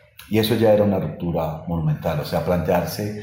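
Wide pitch swings, very wide ones, mark this man's moderate-paced speech. The room around him echoes audibly. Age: 50s. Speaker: popular educator and former insurgent. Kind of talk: interview.

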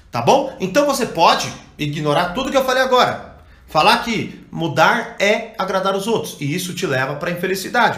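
An animated tone with very wide pitch swings at a moderate pace. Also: man, high pitch for a man. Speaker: online self-help coach and livestreamer. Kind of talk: angry, swearing rant about self-improvement, live monologue. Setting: livestream, talking to viewers. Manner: animated, blunt, emphatic; profane, sarcastic, scolding.

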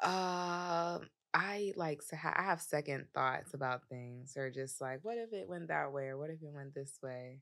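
This woman has a very deep, low voice and an American accent. She talks at a moderate pace with lively intonation. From US South. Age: 20s. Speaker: podcast guest. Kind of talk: casual chat.

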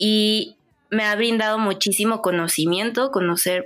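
There is a normal speaking voice here, a woman talking at a fairly slow pace with fairly even intonation. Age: 20s. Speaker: designer. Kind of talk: casual chat.

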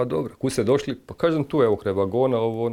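A man with a dark, mellow tone talks at a fairly quick pace. The recording is very clean, with a silent background. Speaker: war veteran. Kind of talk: interview testimony.

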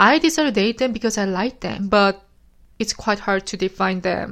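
A woman's medium-pitched voice with vocal fry and ordinary pitch variation, in a very clean recording with a silent background. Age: 20s. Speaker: podcaster. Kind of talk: solo podcast monologue.

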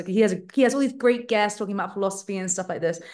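A woman with a fairly high pitch and an English accent, very fast pace and lively intonation, over a quiet background. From England. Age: 30s. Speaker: venture capitalist. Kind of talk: casual chat. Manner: halting.

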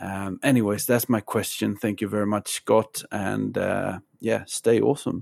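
Speaking at a fairly slow pace, a man talks with a Swedish accent. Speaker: listener asking a question. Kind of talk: recorded voicemail question. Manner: halting, hesitant.

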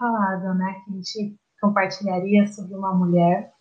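The voice belongs to a woman. It has a somewhat breathy quality. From São Paulo, Brazil. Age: 30s. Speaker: missionary. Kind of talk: testimony. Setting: remote call.

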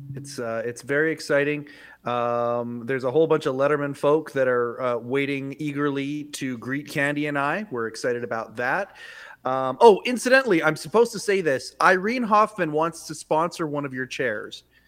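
An unremarkable speaking voice from a man with a Canadian accent, fairly high in pitch, with lively intonation at a moderate pace. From Canada. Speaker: remote contributor and friend of the show. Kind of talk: casual chat. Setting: remote video link.

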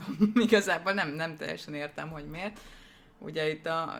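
A man has an ordinary speaking voice with a fairly high pitch and talks at a moderate pace. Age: 30s. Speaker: podcast co-host. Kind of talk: casual chat.

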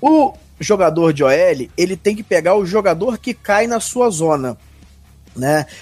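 A man talks with an animated tone and a high pitch for a man. His pitch swings very widely, and his pace is fairly slow. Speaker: sports podcast host. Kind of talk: casual chat.

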